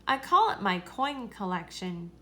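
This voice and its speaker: A woman reading a children's story aloud in a deliberate, expressive way. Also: mid-range voice. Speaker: story reader.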